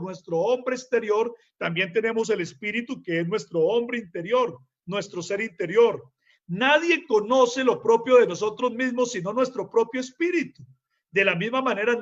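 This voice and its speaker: A man's voice: high voice, highs cut off. A male preacher teaching from the Bible in a sermon, emphatic, often putting rhetorical questions to his listeners.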